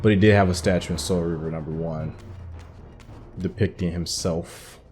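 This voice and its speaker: A man's voice: low voice, steady tone, moderate pace, music in the background. A man giving casual commentary on a game playthrough, musing and thinking aloud as he hosts. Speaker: gaming video host.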